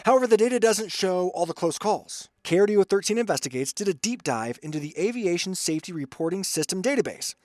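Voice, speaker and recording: A man's voice: high-pitched, expressive, quick pace, hardly any pauses, a little mellow, dry recording, studio quality. A man with an American accent working as an investigative TV news reporter, delivering scripted reports and questions. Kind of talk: scripted news narration and interviewing.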